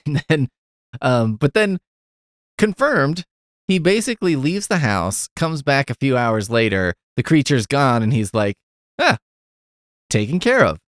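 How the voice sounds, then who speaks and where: A man's voice: medium pitch, expressive, a little slow, no echo, studio quality. A middle-aged man hosting a podcast in casual chat, retelling a story in a rambling, sarcastic way with plenty of swearing and asides. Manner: rambling, heavy on fillers and asides. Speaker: podcast host.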